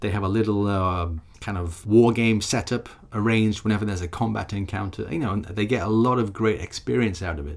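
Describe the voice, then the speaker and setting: Moderate pace from a man with an ordinary speaking voice, fairly low pitch and ordinary pitch variation. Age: middle-aged. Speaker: podcast host, tabletop gamer. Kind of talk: solo podcast monologue, casual. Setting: home recording, voice recorder on table. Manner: casual, rambling, self-correcting.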